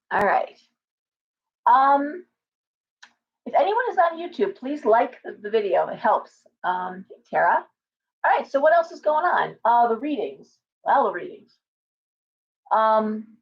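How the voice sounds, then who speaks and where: A middle-aged woman, a tarot reader, chatting casually on a livestream from her living room, hoarse from coughing and rambling with many restarts. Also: medium pitch. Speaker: tarot reader and shop owner. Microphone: webcam at desk distance. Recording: slightly dull lo-fi webcam audio.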